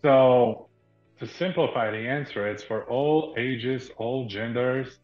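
A man from Slovakia, explaining fitness ideas as a guest in a measured way that slows to stress key points. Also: medium pitch, reverberant, highs cut off, faint music behind. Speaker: guest, fitness product founder. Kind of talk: explanatory interview answers.

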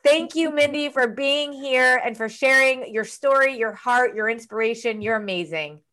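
A woman host who talks in a gushing, encouraging way and keeps praising her guest. Her voice sits a little higher than most women's. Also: normal speed, sharp tone. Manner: effusive, encouraging. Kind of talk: podcast interview.

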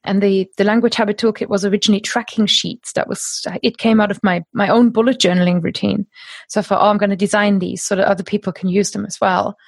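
Woman, 30s, German native speaker, lively podcast guest, dry sound. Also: mid-range voice, fast, creaky, breathy edge, no room sound. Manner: chatty, laughs often, restarts phrases. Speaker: guest, language course creator. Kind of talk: conversational podcast interview.

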